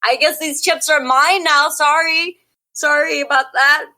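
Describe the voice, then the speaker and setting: A woman acting a high, bright, gushing oblivious girl. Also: fairly even intonation, a little slow. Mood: gushing, rambling. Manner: rambling, gushing, blurting. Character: socially unaware, chatty, apologetic young woman snacking greedily. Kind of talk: improvised tabletop roleplay.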